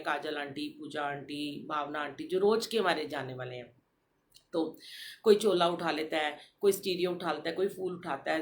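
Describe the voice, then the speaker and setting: A middle-aged woman hosting a devotional podcast, telling a personal story in an animated way and addressing the listeners directly. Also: fairly low pitch, slight background noise. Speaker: satsang podcast host.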